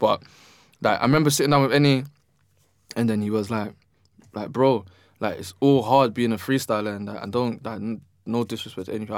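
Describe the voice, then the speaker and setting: Speaking with a London accent, a man keeps a fairly quick pace and fairly even intonation. His loudness swings widely, and long, frequent pauses recur. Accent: London, multicultural London English. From East London. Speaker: rapper. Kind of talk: interview.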